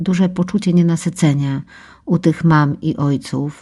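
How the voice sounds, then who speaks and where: A woman with a fairly low pitch and a dark, mellow tone speaks at a fairly slow pace. Her intonation stays fairly even against a quiet background. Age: 40s. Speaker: parenting and couples therapist, podcast host. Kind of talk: solo podcast monologue. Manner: conversational, direct address to listener.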